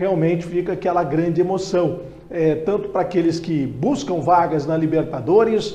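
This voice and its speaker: With audible room echo, a man talks at a high pitch and a moderate pace, using ordinary pitch variation. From Brazil. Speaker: TV news anchor. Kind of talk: news presenting. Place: studio. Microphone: lapel.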